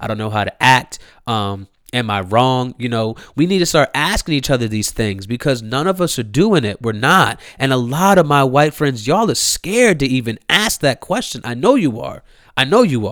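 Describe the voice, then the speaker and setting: A man at medium pitch speaks at a moderate pace, his tone animated and his intonation lively. The recording is very clean, with a silent background. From Maryland, US. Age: 30s. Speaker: podcast host. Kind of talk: casual monologue.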